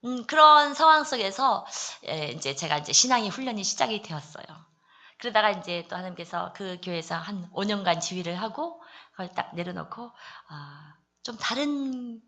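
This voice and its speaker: A woman from the Daegu area giving an earnest church testimony, confiding and personal, with many soft fillers. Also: medium pitch. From Daegu, South Korea. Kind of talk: testimony at a prayer meeting.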